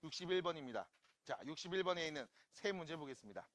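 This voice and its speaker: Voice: mid-range voice, animated, fast, fairly bright tone, no echo. A math lecturer teaching an online class, explaining step by step, often checking in with rhetorical questions and dropping playful asides.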